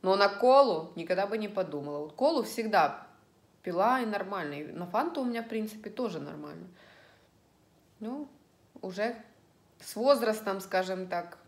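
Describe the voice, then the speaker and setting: A middle-aged woman talks to her viewers in a casual, rambling way, as a vlogger would over a meal at home. Her voice sits at an average female pitch. The room adds a clear echo around her. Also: expressive, normal speed. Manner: rambling, chatty, telling everyday stories. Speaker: lifestyle vlogger. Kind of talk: casual chat to viewers while eating. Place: indoors at home in an echoey room. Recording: roomy, echoing indoor sound.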